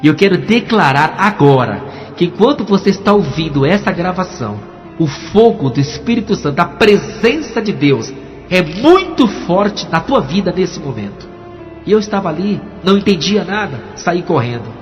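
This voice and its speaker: A man, a pastor, telling his testimony in a dramatic preaching style that moves between hushed and emphatic. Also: high-pitched, very animated, normal speed. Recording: echoey, dull, music underneath.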